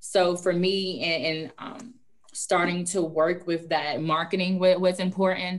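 A woman with an unremarkable speaking voice, fairly low pitch and fairly even intonation at a fairly slow pace. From Greensboro area, North Carolina. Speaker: library community engagement staff. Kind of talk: panel presentation.

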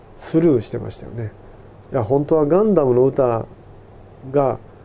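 This man's voice has a dark, mellow tone at a medium pitch. He speaks at a fairly quick pace with ordinary pitch variation. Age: 50s. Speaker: radio show host, writer. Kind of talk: solo radio monologue.

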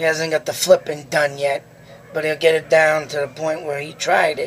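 A man with a fairly high pitch talks at a moderate pace over noticeable background noise. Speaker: YouTuber. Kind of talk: casual vlog monologue. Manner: animated, laughs often; rambling, halting.

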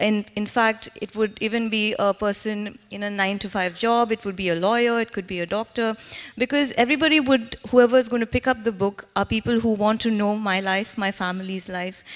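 Over a quiet background, a woman talks at a fairly quick pace with fairly even intonation. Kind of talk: interview answer. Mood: calm, reflective. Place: stage. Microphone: handheld.

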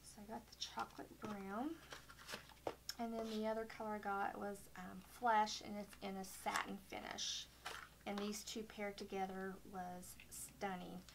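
With noticeable background noise around her, a woman talks at a fairly slow pace in a monotone, flat intonation. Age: 40s. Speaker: beauty vlogger. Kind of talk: haul video monologue; casual vlog chat. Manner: casual, with many filler ums. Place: home room.

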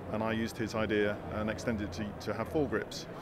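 Over loud background noise, a man speaks at a fairly quick pace. The sound is dry, with no echo. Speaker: interviewee. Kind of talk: interview answer. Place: hall. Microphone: handheld.

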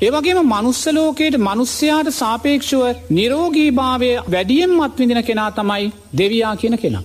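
With a Sri Lankan accent, a man speaks very slowly at an extremely high pitch, his intonation lively, over noticeable background noise. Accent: Sinhala. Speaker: Buddhist monk. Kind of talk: dharma talk answering questions.

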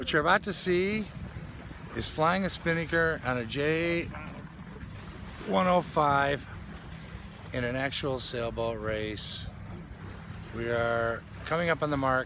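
A man speaks with long, frequent pauses. The sound is dry with no echo, and background noise is noticeable. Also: fairly slow pace. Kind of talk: casual vlog chat. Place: boat. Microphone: phone near.

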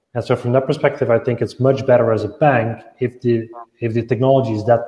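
Against a quiet background with audible room echo, a man speaks fairly quickly in a medium pitch. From Belgium / Italy; Belgium. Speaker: fintech entrepreneur; speaker. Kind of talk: panel discussion. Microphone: earbuds.

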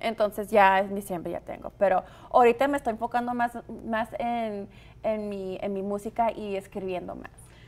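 A woman speaks at a moderate pace in fairly high pitch, with big swings in loudness. It is an ordinary speaking voice. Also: fairly even intonation. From US Texas, El Paso (Mexican-American); Texas. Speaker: singer and blogger; blogger. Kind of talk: casual interview chat. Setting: studio. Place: studio.

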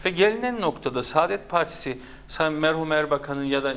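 A man's speech moves at a moderate pace, with typical rise and fall in pitch. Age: 40s. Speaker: TV presenter; TV interviewer host. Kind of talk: political interview. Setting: studio. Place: studio. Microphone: lapel.

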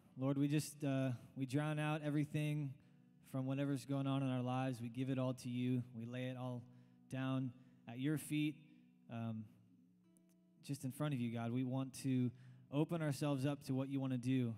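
Faint music plays behind a man who speaks in a flat monotone, pausing long and often. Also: moderate pace. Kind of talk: stage welcome and spoken prayer. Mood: earnest, prayerful. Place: stage. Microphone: handheld.

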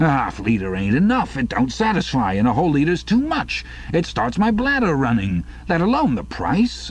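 A man puts on a rumbling character voice at medium pitch, keeping a moderate pace and very even loudness. Noticeable background noise runs underneath. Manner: grumbling, pugnacious.

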